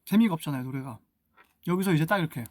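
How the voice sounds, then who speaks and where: A young man casually hosting a livestream, relaxed as he explains how he made a jingle. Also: fairly high pitch, very fast, over music. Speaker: livestream host.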